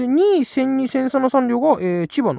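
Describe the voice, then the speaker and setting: A man speaks at a moderate pace with an extremely high pitch and lively intonation. His tone is dark and mellow, and the sound is dry and close with no echo against a quiet background. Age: 20s. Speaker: model train YouTuber. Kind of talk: casual product news commentary. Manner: halting with frequent fillers.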